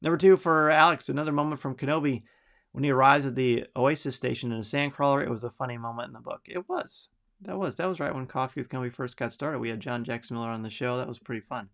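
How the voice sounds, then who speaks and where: A man's voice: mid-range voice, quick pace, vocal fry, fairly bright tone. A middle-aged man hosting a live podcast, chatty and enthusiastic as he reads out listener picks and reacts to them. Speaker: podcast host.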